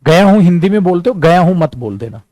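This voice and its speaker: A man with an Indian accent and a fairly high voice teaches spoken English. He explains in Hindi, repeats English example sentences slowly, and encourages his students as he goes. The sound is dry, with little room echo. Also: very animated, mellow. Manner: encouraging, calls students "beta".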